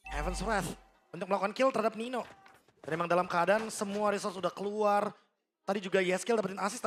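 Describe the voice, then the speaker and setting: A man's voice: high-pitched, a bit bright, slight background noise. An Indonesian man giving live analytical commentary on an esports match. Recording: broadcast with music behind.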